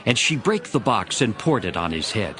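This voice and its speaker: Expressive low-voiced male scripture narrator. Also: moderate pace, crowd noise. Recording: music behind the voice. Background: background music.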